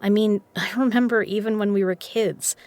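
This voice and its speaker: A woman's voice: medium pitch, fairly even intonation, normal speed, a little mellow, no echo, close to an everyday voice. Confident, frank woman played by an actress in an audio drama. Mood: caring, insistent. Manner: teasing, frank, coaxing. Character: confident, teasing, caring woman poker player, the man's cousin.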